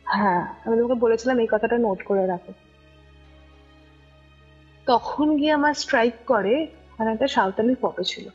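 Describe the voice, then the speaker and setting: A young woman with a fairly high, slightly mellow and husky voice speaks at a normal pace with long pauses. She's a guest casually telling about her own ghost encounter, often checking that the listener is following. The audio is muffled and lo-fi, with music playing underneath.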